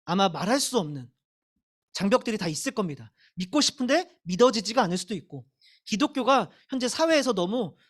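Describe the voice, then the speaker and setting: A woman's voice: medium pitch, a little fast. A young woman giving a sermon to middle schoolers in a church service, telling her story candidly and laughing at herself. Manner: candid, animated storytelling with self-deprecating laughs. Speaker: youth pastor.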